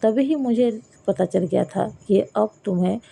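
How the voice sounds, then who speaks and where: A woman's voice: medium pitch, a little slow, vocal fry, warm tone, slightly rough, exaggerated voice. A woman reading a story aloud, voicing a jealous, possessive young woman boss who pleads one moment and accuses the next. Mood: jealous, accusing.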